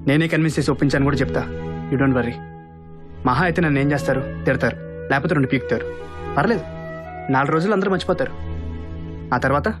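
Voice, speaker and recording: An actor as persuasive young groom, high-pitched voice. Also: male voice, natural voice. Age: young adult. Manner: emphatic, coaxing, full of rhetorical questions. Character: persuasive, teasing young groom scheming a sham marriage. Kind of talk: film dialogue, Telugu mixed with English. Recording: film soundtrack with loud background music. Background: music.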